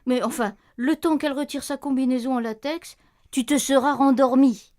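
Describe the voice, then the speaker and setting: An actress playing an anxious, insistent wife in a radio play, fretting over noises at night. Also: female voice, sits high, steady tone, normal speed, warm tone, lightly acted. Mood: fretful, nagging. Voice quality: insistent, fretful. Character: anxious, insistent wife, worried, sharp-tongued.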